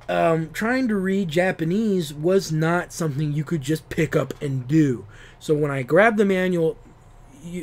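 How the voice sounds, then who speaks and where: A man with a slightly higher voice rambles about old games in a loose monologue. He swears freely and keeps restarting his sentences. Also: darkish tone. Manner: rambling, profane, restarts often. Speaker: video game talk show host. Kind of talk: casual monologue.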